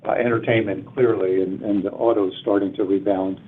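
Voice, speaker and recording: A man speaking as an executive on an earnings call, with a halting, deliberate delivery that often repeats words. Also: lowish voice, steady tone, slightly rough. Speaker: airline executive answering analysts. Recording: thin phone-line conference call audio.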